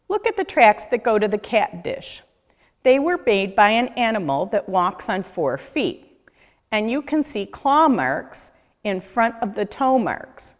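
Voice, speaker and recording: Woman doing a kids storytime read-aloud, real slow and lively pitch, echoey room. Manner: deliberate, questioning storyteller delivery for children. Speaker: nature center educator reading aloud. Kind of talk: children's picture book read-aloud. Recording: echoey room with long reverb.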